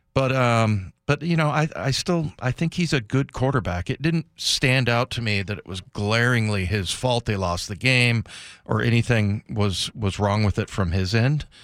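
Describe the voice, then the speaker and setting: A man with a slight Midwestern accent speaks with lively intonation and hardly any pauses. The recording is very clean and dry, with a close sound, no echo and a silent background. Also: medium pitch for a man, moderate pace. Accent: slight Midwestern twang. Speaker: sports radio host. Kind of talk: casual chat. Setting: studio.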